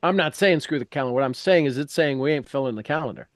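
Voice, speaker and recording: In a clean studio recording with no echo, a fast-talking man of medium pitch runs an informal coaching class. His style is blunt and prodding with folksy phrasing, and he switches between talking and reading aloud from a book.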